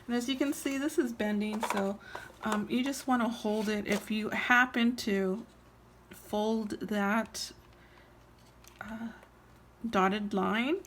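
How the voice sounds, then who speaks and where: Slow-paced, tired woman giving a craft tutorial. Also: medium pitch, a bit bright, slight background noise. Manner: informal, unhurried step-by-step explaining with trailing pauses. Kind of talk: casual hands-on craft tutorial.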